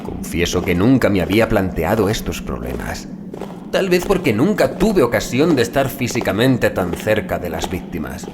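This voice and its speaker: A man narrates a scripted horror story as an audiobook, grave and deliberate, drawing out the ends of his phrases. His voice runs on the low side with huge swings in pitch. A music bed plays under him against a noisy background.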